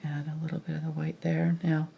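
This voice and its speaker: A woman with a low, husky voice, congested from a cold, guides a live painting tutorial. Her delivery is casual and murmured, trailing off as she works, with a gravelly creak. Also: completely flat delivery, fairly quick, muffled recording. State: sick with a cold, sniffly, audible breathing. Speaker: painting instructor, live show host.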